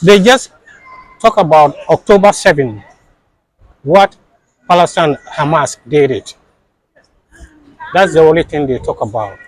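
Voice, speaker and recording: A man's voice: on the high side, lively intonation, measured pace, pauses often, no room sound, low-quality recording. A man being interviewed, speaking in an impassioned, insistent way and repeating his points for emphasis.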